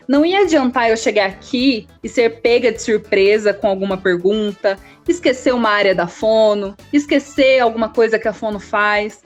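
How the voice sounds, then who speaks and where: Young Brazilian woman, podcast guest, didactic explainer, high voice, faint music behind. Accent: Brazilian Portuguese. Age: young adult. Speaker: guest speech therapy student.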